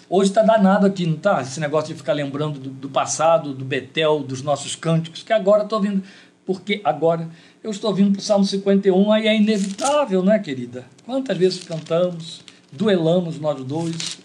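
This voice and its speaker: Brazilian male pastor, high cracked voice; emotional sermon, talks to the flock like old friends. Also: slight background noise. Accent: Brazilian Portuguese. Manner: warm, chatty asides to the congregation, emotional.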